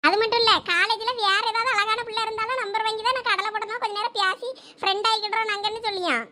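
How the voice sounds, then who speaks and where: A woman's voice: extremely high pitch, fairly even intonation, fast talker, sharp tone, a little hiss or hum. A young woman, acting a cheeky, chatty college girl who teases her friend in a village comedy skit. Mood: teasing. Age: young adult. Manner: teasing, chatty, giggly. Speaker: comic skit actor.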